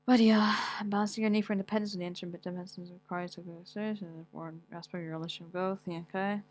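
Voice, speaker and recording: A young Moroccan woman vlogs in a casual, rambling and blunt way, reading things aloud and reacting to them while swearing often. Her voice is on the low side and darkish, with a steady tone and a quick pace.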